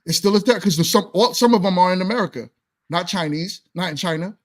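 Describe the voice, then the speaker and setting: A man's voice: sits high, quick pace. A man co-hosting a casual panel chat, arguing his point and pushing back on others. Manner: argumentative, pushes back. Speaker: podcast co-host.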